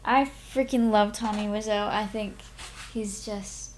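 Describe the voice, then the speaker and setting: Female streamer, mid-pitched and leisurely, expressive delivery with drawn-out dramatic phrases. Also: background noise. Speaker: host of a live reading stream. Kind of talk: expressive audiobook-style reading and casual stream chat.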